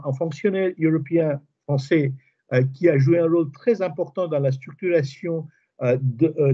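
A man moderating a webinar, introducing a speaker in a halting way with many restarts. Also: a little high, slightly rough. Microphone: video call. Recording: muffled video call audio.

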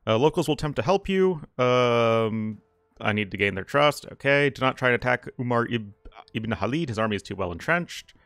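A man hosting a strategy game video, reading mission text aloud in a relaxed, chatty way. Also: mid-range voice, a little fast, clean tone, no echo, clean studio sound. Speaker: gaming channel host. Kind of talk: let's play commentary.

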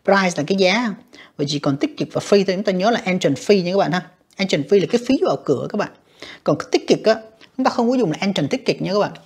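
A woman's voice: medium pitch, animated, fast, darkish tone, husky. A woman teaching an exam walkthrough, talking patiently with frequent fillers and repeating words as she explains. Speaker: English teacher.

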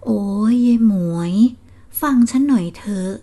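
A woman's voice: mid-range voice, a little slow, dark tone. Woman doing a worried, pleading old husband. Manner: pleading, anxious, reproachful.

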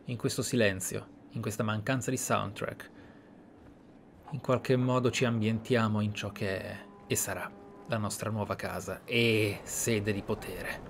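A man's voice: on the low side, steady tone, a little slow, vocal fry, a little hiss or hum. A man giving reflective, explanatory commentary as he streams a roleplay game. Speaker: gaming streamer and host.

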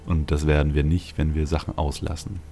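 A man's voice: very deep voice, level tone, brisk, mellow. A man hosting a let's play with casual game commentary, thinking aloud with wry, dry asides. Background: game music.

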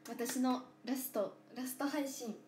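A woman in her twenties hosting a casual livestream, speaking softly and often dropping to a near whisper, with playful drawn-out thank-yous to viewers. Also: sits high, fairly even intonation, soft background music. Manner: soft-spoken, often drops to a near whisper. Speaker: idol livestream host. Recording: roomy room with faint hum.

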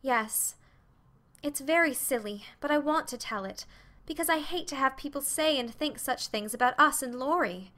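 A woman doing a bright, girlish young Meg. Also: high voice, moderate pace, pitched above the performer's own voice. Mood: confessing. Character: earnest bashful teenage girl, eager to confess.

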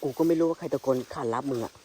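A man with in his speech, vlogging in hushed, tense tones while walking through a dense rainforest with a companion, using coarse slang. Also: on the high side, very fast, a little hiss or hum. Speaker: ghost-hunting vlogger. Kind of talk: whispered jungle exploration vlog. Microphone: handheld camera.

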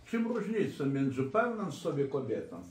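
High-voiced man lecturing in an echoey room. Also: big pitch swings, normal speed, darkish tone, a little hiss or hum. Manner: emphatic, digressive lecturing. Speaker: therapist and court expert. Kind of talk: lecture-style talk.

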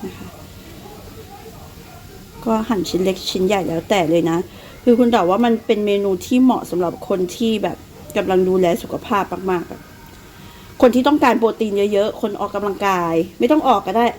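A woman's voice: mid-range voice, normal speed, long pauses, a little mellow, low-quality recording. A woman in her thirties from Thailand with a Northeastern Thai accent, chatting casually through a home cooking vlog and calling herself by her own nickname. She has a cough and some phlegm. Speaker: cooking vlogger.

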